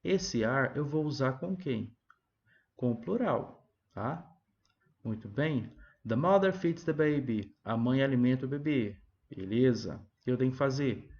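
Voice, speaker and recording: A man teaching an English review lesson, asking himself questions and answering them, and saying example sentences slowly. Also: mid-range voice, expressive, a little mellow, lo-fi sound. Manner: keeps adding "tá?" and "ó". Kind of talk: recorded classroom review lesson.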